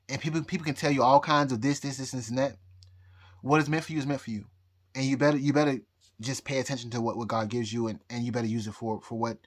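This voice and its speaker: A man in a rambling, drunk-sounding personal rant, halting and repeating his phrases, speaking emphatically and defiantly. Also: mid-range voice. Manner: emphatic, defiant talk of fate and God. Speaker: astrologer.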